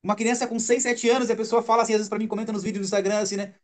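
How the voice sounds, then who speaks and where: A man from Brazil speaks to an online audience in a high-pitched voice. His delivery is earnest and emphatic, and he circles back to repeat key words. It sounds like a live stream picked up on a webcam or phone mic. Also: level tone, rapid-fire. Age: adult father. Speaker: speaker on autism parenting.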